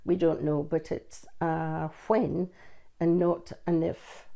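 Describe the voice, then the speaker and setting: A woman's voice: sits low, level tone, slow, creaky, mellow. A woman answering in a news interview as a patient campaigner.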